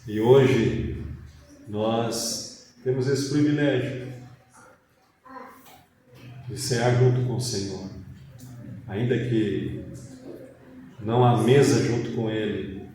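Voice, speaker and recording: A Brazilian man preaching and reading scripture, speaking deliberately phrase by phrase in a church hall. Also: medium pitch, steady tone, mellow. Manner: deliberate, phrase by phrase, with rhetorical questions. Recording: very echoey hall, distant mic, faint noise.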